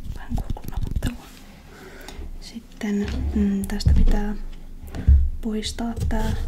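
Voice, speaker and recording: A woman whispers in a relaxed tone at a very slow pace, with long, frequent pauses and noticeable background noise. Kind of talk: ASMR cooking video, soft-spoken casual talk. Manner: soft-spoken, relaxed.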